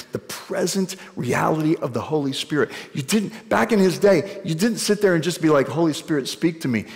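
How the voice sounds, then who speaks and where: A man in his forties preaching a sermon on a church stage, conversational with joking asides to the congregation. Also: medium pitch. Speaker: pastor. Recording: hall reverb in a church.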